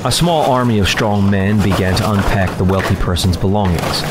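A man playing a polite, wry young worker, narrating an audio drama in a measured first-person storytelling manner. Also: low-pitched, very noisy, lightly acted. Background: music under the voice.

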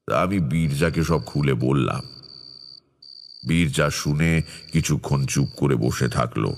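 A man playing a grave, caring tantric storyteller in a dramatized horror audio story, speaking in a measured, solemn way. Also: rumbling low, gravelly, slight background noise, full character voice. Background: background music.

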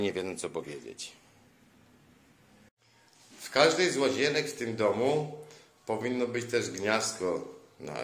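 Brief: a lower-pitched man vlogging through a house, dryly exasperated about botched repairs, recorded on a handheld phone. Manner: exasperated, sarcastic complaining. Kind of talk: narrated house walkthrough. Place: indoors, rooms of a house.

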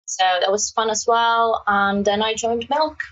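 A woman's voice: fairly high pitch, fairly even intonation, a little slow, a bit bright, distant mic, muffled recording. A woman in her twenties from the Czech Republic, speaking English with a Czech accent, chatting casually in a podcast interview, with many fillers and frequent laughs. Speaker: guest, matte painter.

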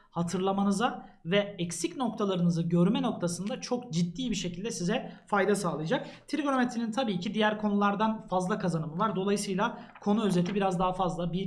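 A male math teacher talks students through an exam prep book in an earnest, casual way, addressing them directly as he flips through its pages. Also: high-pitched.

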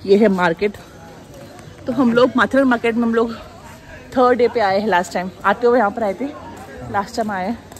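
A chatty woman films a casual family vlog on her phone, playful and quick to exclaim. Her voice sits a little high. A busy crowd murmurs clearly behind her. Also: fairly even intonation, low-quality recording. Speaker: vlogger. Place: outdoors at a hill station market and restaurant.

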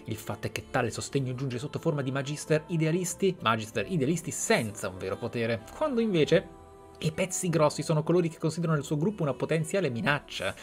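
A man's voice: a little high, animated, fast, faint music behind, close to an everyday voice. A man voicing a concerned, shrewd advisor from a fantasy game, earnest and formal.

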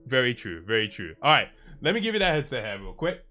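A man's voice: medium pitch, big pitch swings, quick pace, sharp tone, faint music behind. A young man streaming from home on a headset, chatting casually and laughing easily with his chat. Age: young adult. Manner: laid-back, laughs often, chatty with chat. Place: home streaming room, indoors.

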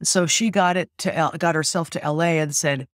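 A woman in her sixties from California, a stage actress and singer, chatting as a podcast guest and telling lively stories full of restarts and asides. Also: deep voice, dry recording, studio quality. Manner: animated storyteller, quick restarts and asides. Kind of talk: casual interview chat.

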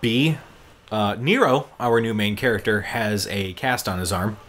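A man's voice: lowish voice, lively intonation, unhurried, fairly bright tone, slight background noise. A man giving casual, explanatory commentary on a game, rambling like a fan. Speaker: gaming commentary host. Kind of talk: casual chat commentary over game cutscenes. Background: game cutscene music.

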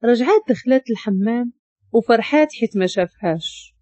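A woman's voice: fairly high pitch, expressive, brisk, warm tone, no echo. A woman with a Moroccan accent narrating a story.

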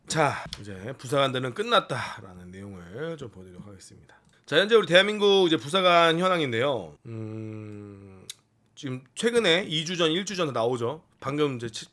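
Animated, cursing Korean commentator man. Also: on the high side. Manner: profane, exasperated ranting. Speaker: YouTube military commentator. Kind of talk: casual commentary.

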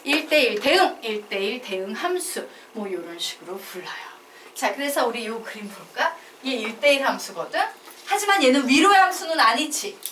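A woman math teacher lectures in a classroom, her fairly high voice rising and falling with lively inflection as she has students chant definitions back. She sits at a distance from the mic, so the sound is roomy and echoing, with clear background noise. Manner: lively, drills students with call-and-response chanting; mixes casual and polite speech. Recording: echoey classroom, far from mic, noisy.

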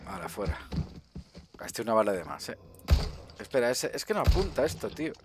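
A man's voice: medium pitch, sing-song, fairly quick, noisy background. A man with a Spain Spanish accent giving casual gameplay commentary, swearing often and talking to viewers. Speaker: gaming streamer.

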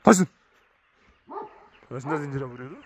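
A man's voice: a little high, quick pace, very noisy. Chatty shepherd man vlogging at his farm. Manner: chatty, keeps addressing viewers as friends. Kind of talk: casual vlog narration to viewers.

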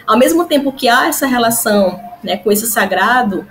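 Brief: woman in her 30s, webcam talk with faint hiss, fairly high voice, lots of "né" fillers. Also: animated, moderate pace, a bit bright. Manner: frequent fillers and tag questions, gestures while explaining. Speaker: historian presenting research. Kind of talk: explanatory talk to camera. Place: small room at home. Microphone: webcam or laptop mic, video call framing.

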